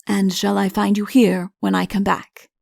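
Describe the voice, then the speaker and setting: A woman's voice: mid-range voice, flat delivery, a little slow, gravelly, a little mellow, dry recording, clean studio sound. A woman voicing a sensible, deferential man who attends a vain prince in a storybook tale, speaking politely and levelly.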